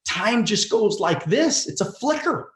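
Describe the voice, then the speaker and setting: A man in his forties speaks as a guest coach in a motivational conversation. His voice sits high and swings lively up and down. He talks emphatically and casually, repeats words and swears freely, and the room gives a roomy echo. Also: a little slow. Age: 40s.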